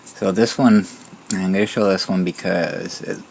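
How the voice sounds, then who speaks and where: A man's voice: sits low, steady tone, measured pace, gravelly, slight background noise, poor audio. A man hosting a video with casual, hesitant, conversational voiceover commentary. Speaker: video host.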